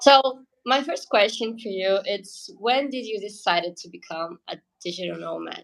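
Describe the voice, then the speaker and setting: In a Portuguese accent, a woman speaks at a moderate pace and medium pitch, her intonation lively and her loudness swinging widely. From Brazil. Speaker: travel vlogger. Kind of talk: interview on a livestream. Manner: halting.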